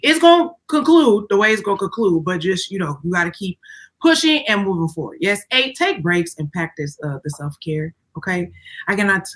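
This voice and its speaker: A woman's voice: mid-range voice, very animated, brisk. A woman host with an African American English accent, chatting casually and motivationally, emphatic and often checking in with the listener. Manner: emphatic, repeats phrases, frequently checks in with "right?" and "okay?". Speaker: podcast host.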